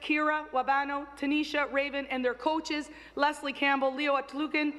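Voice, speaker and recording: In the chamber, a Nova Scotia legislator makes a serious, formal speech, slipping into frequent fillers whenever she goes off script. Her high voice is level and a bit bright at a moderate pace, with a big-room sound.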